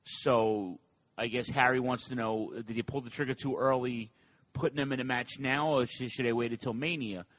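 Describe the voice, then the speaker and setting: A man co-hosting a casual talk show, reading listener questions and giving his opinions in an animated, offhand way. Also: medium pitch, slight background noise. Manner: animated, fast asides, reads listener questions. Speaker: podcast co-host.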